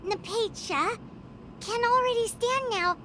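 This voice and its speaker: A woman voicing a small, gentle, hesitant girl in a video game, speaking haltingly. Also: extremely high pitch, noisy background. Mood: gentle concern. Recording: music behind the voice.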